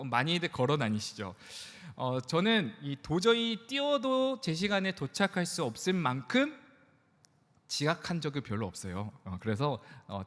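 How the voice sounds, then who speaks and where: Joking pastor, lively voice, hall reverb. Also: male voice, fairly high pitch. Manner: conversational, joking. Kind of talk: sermon to young adults. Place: church sanctuary.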